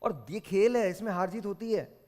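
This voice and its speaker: A man's voice: sits high, normal speed, dark tone. A man with a Pakistani accent hosting a game show, lecturing contestants sternly and slipping into English phrases.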